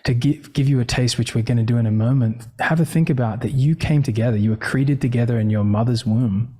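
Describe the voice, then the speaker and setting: A man with a dark, mellow voice in a middle register coaches in a conversational way. He is earnest and emphatic, circling back on phrases to give them weight. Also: medium pitch, fairly quick. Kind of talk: conversational teaching.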